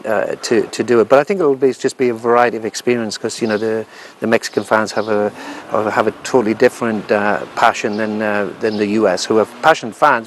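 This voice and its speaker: Halting male interviewee outdoors. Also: mid-range voice, slight background noise. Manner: halting, lots of fillers and restarts. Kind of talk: casual interview answers.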